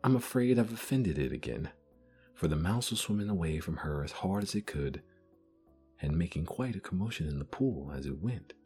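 A man narrating a storybook in a gentle, measured way. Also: low voice, expressive, soft background music. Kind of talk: storybook reading.

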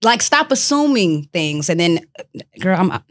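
Casual podcast co-host: woman, African American accent, lowish voice, blunt slangy delivery, close dry sound. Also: big pitch swings, measured pace, no echo. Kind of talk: casual chat.

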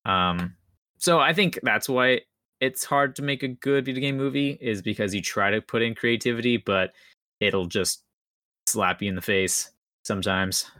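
A man in a casual podcast discussion, speaking haltingly and often repeating words as he makes his points. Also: fairly low pitch, bright, forceful tone, no room sound, studio quality. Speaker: podcast panelist.

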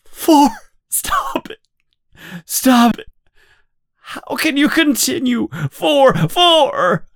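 A man voicing a tortured grown man who pleads desperately through tears, his cries breaking into shouts. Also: high-pitched, sing-song, extremely slow, pauses often, slightly rough, pitched above the performer's own voice, exaggerated voice. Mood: anguished pleading. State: crying. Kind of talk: audiobook character voice.

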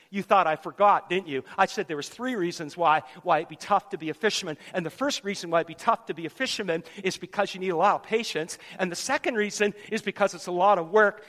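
A man preaching a sermon with animated stories in an excitable, dramatic manner, repeating phrases for emphasis. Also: sits high. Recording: echoey hall with long reverb.

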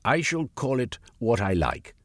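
A man's voice: mid-range voice, big pitch swings, measured pace, a bit bright, no echo, studio quality, voice pushed up. A man reader voicing a cold, commanding government agent who gives clipped, stern orders.

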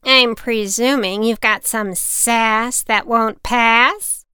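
A sharp-tongued old woman sneers and lectures, voiced by a woman reading a storybook. The tone is bright and cutting, very clear. It sounds dry and close. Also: a little high, fairly even intonation, slow pace, no echo. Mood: brusque. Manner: scornful, snappish, lecturing. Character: harsh scolding old woman, the Shears.

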